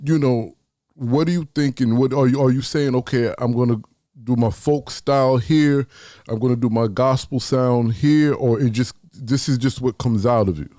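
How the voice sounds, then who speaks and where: A man hosting a radio interview who asks thoughtful questions with many halting restarts. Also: medium pitch, mellow, dry recording, studio quality. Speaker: radio show host. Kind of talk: casual interview.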